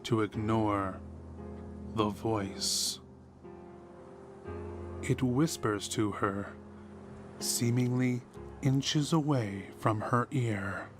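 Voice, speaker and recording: A man's voice: fairly low pitch, drawn-out words, pauses often. A man reading a horror story as a dramatic scripted narration. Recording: music behind the voice. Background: music.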